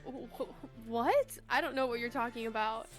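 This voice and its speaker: A woman's voice: fairly high pitch, expressive, moderate pace, faint music behind, close to an everyday voice. A woman voicing a perky young female rookie lawyer, feisty and easily flustered, in a video game.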